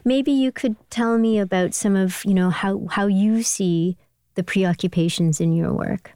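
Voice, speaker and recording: A woman interviewing an artist, framing her questions in a measured, careful way. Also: medium pitch, dark tone, clean tone, dry recording.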